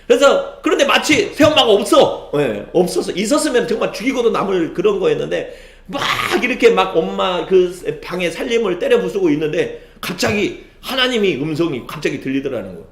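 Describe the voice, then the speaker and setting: Animated male pastor preaching in an echoey church. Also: high-pitched, brisk, few pauses. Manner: animated storytelling with frequent affirming interjections. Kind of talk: sermon. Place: church sanctuary.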